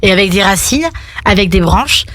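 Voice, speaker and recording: A woman's voice: medium pitch, lively intonation, moderate pace, a bit bright, no room sound. Woman radio guest, mid voice, super dry sound, telling personal stuff in a casual chatty way. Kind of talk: animated personal storytelling, casual chat.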